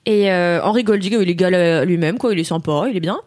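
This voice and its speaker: Young woman, casual film chat, dry close sound, lively with fillers and laughs. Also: on the low side, quick pace, dry recording. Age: 20s. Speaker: film reviewer, co-host.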